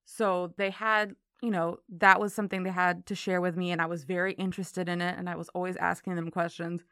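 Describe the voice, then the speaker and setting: A woman's voice: lowish voice, little pitch movement, fairly quick, fairly bright tone, smooth, dry recording, clean studio sound. A woman from Miami in her thirties with an American accent, telling her story casually as an interview guest. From Miami, Florida.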